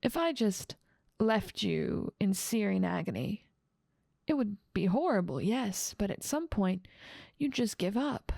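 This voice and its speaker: A woman's voice: mid-range voice, expressive, a little slow, vocal fry, a little mellow, no room sound, clean studio sound. A woman playing a dominant, teasing female demon ruler of hell in an ASMR roleplay, with playful menace and amused condescension. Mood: darkly relishing. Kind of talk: ASMR roleplay audio drama.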